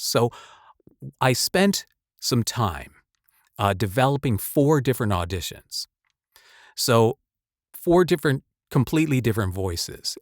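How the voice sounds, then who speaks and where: A man, a voice actor, chatting casually about his work in a halting, rambling way with repeated words. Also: lowish voice, no echo, studio quality. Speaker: voice actor and channel host. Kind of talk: casual chat, personal anecdote and advice.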